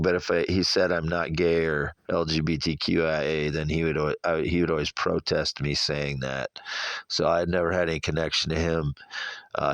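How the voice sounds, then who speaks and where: Speaking with a Midwestern American accent, this middle-aged Iowan has an extremely deep, gravelly voice, stuffy from allergies, though the tone is fairly bright. His personal monologue wanders, full of stops, repetitions, and self-corrections. The sound is close and dry, with no room on it.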